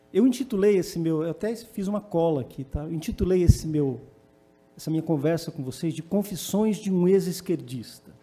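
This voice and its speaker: A man speaks with an interior Paraná accent at a moderate pace. His high-pitched voice has a dark, mellow tone. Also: ordinary pitch variation. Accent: Londrina interior Paraná. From Brazil, interior of Paraná (Londrina). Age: 40s. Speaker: newspaper columnist. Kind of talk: panel talk. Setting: stage with audience at city council hall.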